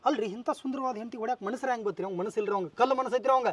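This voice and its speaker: A man's voice: very high-pitched, very fast, heavy background noise. A man playing a cheeky chatty flirt with a North Karnataka accent. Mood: playful. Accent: North Karnataka Kannada. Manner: teasing, chatty. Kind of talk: comedy skit acting.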